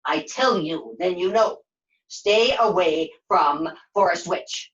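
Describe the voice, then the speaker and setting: Woman as a grudging gruff creature, broken grammar. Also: on the low side, takes it slowly, roomy sound, highs cut off. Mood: bossy, grudging. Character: gruff creature wary of humans, secretly soft-hearted. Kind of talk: puppet show character acting.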